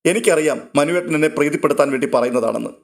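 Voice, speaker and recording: A man's voice: fairly high pitch, fast, creaky. A man reading a story aloud and voicing an upset, tearful teenage girl in a raised, pleading voice. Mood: sulky.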